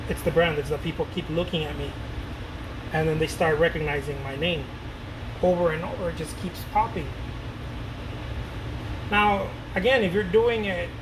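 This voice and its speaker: A painter in his late thirties, with a fairly high voice, rambles casually to his viewers on camera, loose and animated, repeating words and swearing now and then. He talks at a normal speed with long pauses, and an air-conditioning hum runs steadily and clearly beneath him.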